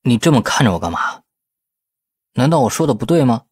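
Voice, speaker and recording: A man's voice: mid-range voice, big pitch swings, a little fast, breathy edge. A man voicing a brash, irritable, defensive man who grumbles colloquially in an audiobook. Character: brash, irritable man in a family inheritance feud. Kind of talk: audiobook character acting.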